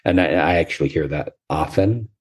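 A man speaking as a therapist guest in a casual podcast chat, congested from a cold, reflective and measured in tone. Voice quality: deep, husky.

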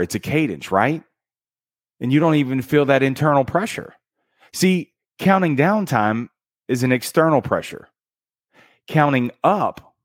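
A man giving casual, energetic motivational commentary on a book, punching out single words and counting beats for effect, with slang like "dude". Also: medium pitch, no room sound, clean studio sound. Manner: energetic and emphatic, with dramatic counting and punchy one-word beats. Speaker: book summary host.

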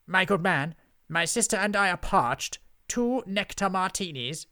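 Haughty witch acted by a man, raised pitch, imperious, pompous drawl, storybook villainess. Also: animated, unhurried, pushed and bright, clean tone, full character voice. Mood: haughty, languid. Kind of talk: children's storybook character voice.

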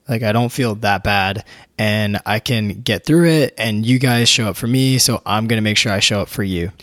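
A young man hosting a podcast, hoarse from a recent illness, talking earnestly and encouragingly straight to his listeners. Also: fairly low pitch, no room sound, studio quality. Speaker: podcast host, physical therapist. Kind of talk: casual motivational monologue.

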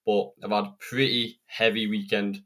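A young man in his twenties hosting a solo self-improvement podcast, chatting earnestly and a little rambling, sounding slightly croaky and sniffly from a cold, speaking into a podcast microphone. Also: lowish voice, little pitch movement, moderate pace, a bit bright. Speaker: podcast host.

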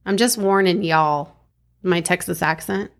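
A woman's voice: fairly low pitch, unhurried. An American woman co-hosting a podcast, chatting casually and jokingly as she tells a story. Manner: joking, bantering. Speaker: podcast co-host. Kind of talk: casual true-crime storytelling chat.

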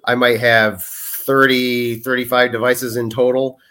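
A man's voice: medium pitch, flat delivery, measured pace, pushed and bright. A man speaking as a podcast guest, explaining ideas at length in a hesitant way, full of fillers and restarts. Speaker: guest, product manager. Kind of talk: podcast interview.

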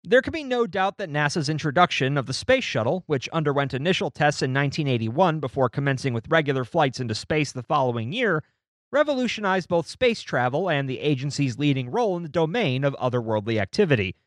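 Animated male podcast co-host. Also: on the high side, fairly quick, dry recording, studio quality. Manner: lively, animated delivery with restarts. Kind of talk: casual book-club chat and reading aloud.

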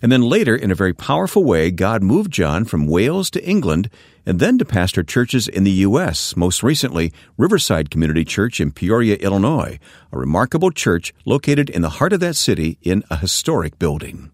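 Deep-voiced man hosting a radio interview. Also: big pitch swings, a little fast, no echo, clean studio sound. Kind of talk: scripted radio introduction and interview.

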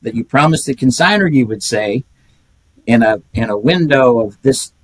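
Older man, husky voice, dry close sound, folksy chatty storyteller. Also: mid-range voice, lively intonation, normal speed, dry recording, poor audio. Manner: folksy storytelling, chuckles often. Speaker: guest, retired pedigree reader. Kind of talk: casual podcast chat.

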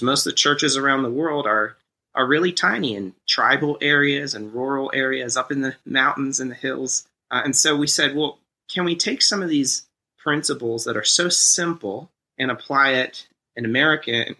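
Man guest, mid pitch, bright tense tone, steady explanatory telling. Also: rough recording. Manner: steady explanatory storytelling with "uh" fillers. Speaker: guest, church planter. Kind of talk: casual interview chat.

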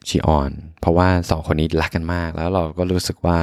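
Deep-voiced man in soft bedtime pillow talk. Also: level tone, fast, dry recording, studio quality. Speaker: podcast host. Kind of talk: intimate bedtime pillow talk, personal storytelling.

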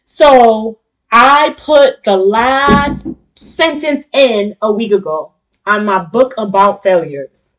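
A woman's voice: fairly high pitch, takes it slowly, poor audio. A middle-aged woman with an African American accent hosting a casual, candid monologue in an informal, slangy, conversational way. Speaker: talk show host. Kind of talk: casual personal monologue to an audience.

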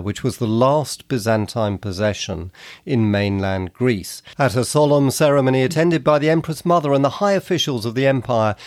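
A man with a croaky voice from a cold, hosting a podcast and reading history aloud in a measured, earnest way. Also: medium pitch, darkish tone, dry recording, clean studio sound. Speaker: podcast host.

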